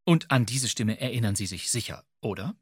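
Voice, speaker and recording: A man's voice: fairly low pitch, animated, fairly quick, noisy background. A man narrating a podcast segment from a script, wry and playful, addressing the listener directly. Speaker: podcast co-host.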